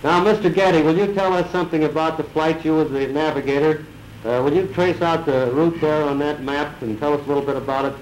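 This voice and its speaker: A man's voice: a little high, steady tone, a little fast, a little mellow. A man conducting a formal, polite 1930s newsreel interview as the questioner. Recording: echoey 1931 newsreel with faint noise.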